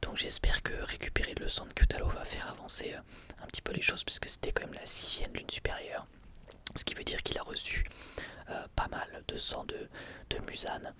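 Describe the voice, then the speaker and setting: A man whispering an ASMR review of an anime episode as the channel host, speaking hesitantly with frequent filler sounds and restarts. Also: normal speed. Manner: soft whisper throughout.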